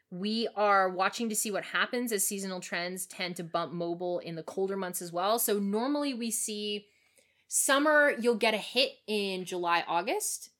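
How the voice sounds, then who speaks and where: A woman co-hosting a podcast, giving the news in casual chat with quick, chatty asides. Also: medium pitch, a bit bright. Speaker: podcast co-host.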